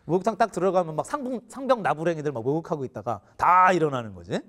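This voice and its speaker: A man in his forties, a teacher, telling a funny story in an animated way and often laughing mid-sentence. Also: a little high, rapid-fire. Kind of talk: humorous storytelling lecture.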